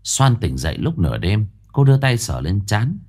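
A man narrating a ghost story in an expressive storytelling manner. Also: on the low side, moderate pace.

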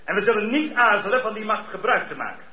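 An actor playing a stern, threatening court judge in a radio play, formal and authoritative. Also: male voice, high-pitched, sing-song, fast, sharp tone, slight background noise, full character voice. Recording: dull, echoey radio play recording.

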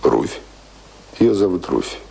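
An idealistic young ex-sailor and writer in a radio play. The voice is low and very animated, with a creaky edge. He speaks with stubborn passion, by turns tender and vehement. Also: slow, heavily acted. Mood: tender, lovestruck. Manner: impassioned, swings from tender to vehement. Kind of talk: Russian radio play acting. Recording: music behind, studio radio play.

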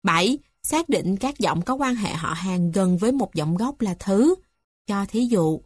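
A woman reading a music theory textbook aloud in a slow, measured, list-like way. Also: medium pitch, expressive, husky, no room sound. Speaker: textbook reader.

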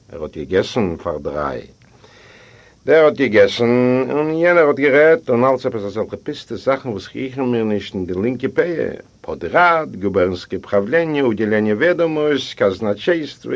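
Man reading a story aloud, lo-fi. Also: lowish voice. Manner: lively storytelling, shifting tone for quoted speakers. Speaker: audiobook reader. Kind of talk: expressive literary reading. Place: library recording room. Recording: dull lo-fi tape recording.

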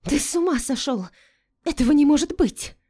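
A furious young noblewoman shrieks high and loud, as a woman reading a storybook puts her on. Her outbursts break into sobs, with a dark, mellow timbre under the shrill edge. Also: lively intonation, a little slow. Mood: shrieking.

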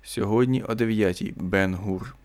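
A man voicing a seductive, imperious Roman noblewoman who speaks softly and then hurls accusations. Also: fairly low pitch, normal speed, natural voice. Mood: coy, tender. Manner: soft, whispery, then loud and accusing.

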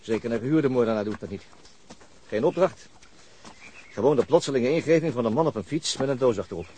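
An actor playing a matter-of-fact police detective in a radio drama, reasoning aloud in a deliberate way. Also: male voice, medium pitch, expressive, mellow, a little hiss or hum, close to an everyday voice. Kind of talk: naturalistic radio drama acting.

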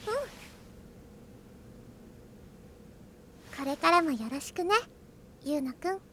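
A woman's voice: high voice, fast talker, sharp tone, slight background noise. A woman playing a cheerful, eager, earnest young girl learning magic in a Japanese anime audio drama, with a sweet childlike manner. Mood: soft, sleepy.

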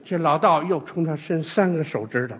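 A man's voice: a little high, normal speed, a bit bright, slightly rough, dull audio. A man telling a traditional comic story, switching between voices for the characters.

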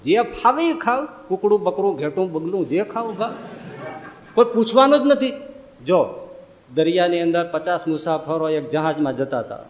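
High-voiced man preaching in an echoey hall. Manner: animated rhetorical questions, frequent laughter. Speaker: spiritual speaker. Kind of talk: storytelling sermon. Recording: echoey hall with long reverb.

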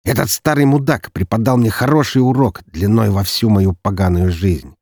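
Audiobook: male narrator playing a lazy, menacing young aristocrat, a little higher than his narration, husky. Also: moderate pace, a little mellow, no echo, clean studio sound. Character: cruel young nobleman's son, lazy and menacing.

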